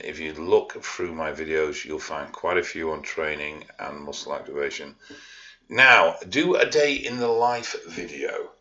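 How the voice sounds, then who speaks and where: A man's voice: very deep voice, sharp tone, lo-fi sound. A Yorkshire man answering viewer questions in a casual vlog, blunt and dry-humoured, swearing freely. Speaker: fitness and art vlogger. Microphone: own vlog mic.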